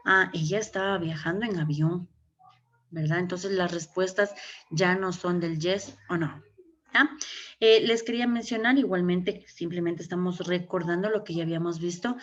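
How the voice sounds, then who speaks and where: In a fairly low, steady voice at a moderate pace, this woman explains English grammar in Ecuadorian Spanish over an online class, step by step, checking with "okay?". Her computer mic on the video call yields dull, lo-fi audio.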